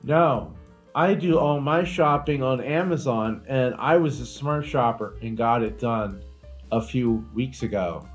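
A man co-hosting a comedy podcast, trading deadpan jokes and telling rambling stories in casual chat. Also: mid-range voice, a little slow, soft background music. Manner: deadpan joking, rambling storytelling. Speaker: podcast co-host.

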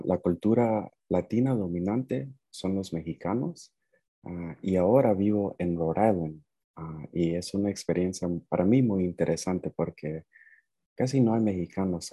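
A young man from Nicaragua, raised partly in the United States, talking casually as a podcast guest and often pausing to find his words. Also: deep voice, dark tone, slightly rough. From Nicaragua, moved to the United States at seven. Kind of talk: casual conversational storytelling.

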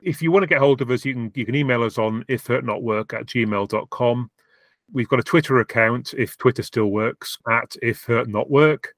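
A man's voice: mid-range voice, a little fast, fairly bright tone, dry recording. A man hosting a podcast in casual chat, stumbling over and repeating words, with a dry, self-mocking humour. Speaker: podcast host.

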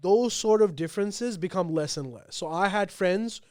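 Smooth, dry-voiced man from Pakistan. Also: high-pitched, normal speed, darkish tone, dry recording. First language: Urdu. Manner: explanatory, speaks in long informal runs with fillers. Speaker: podcast co-host. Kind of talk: casual podcast chat.

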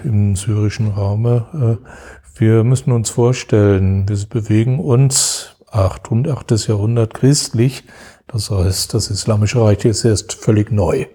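Unhurried and breathy-edged, a man with a lowish, dark voice explains history as an expert guest in an interview. His academic, lecturing delivery is marked by restarts and searching for the right words.

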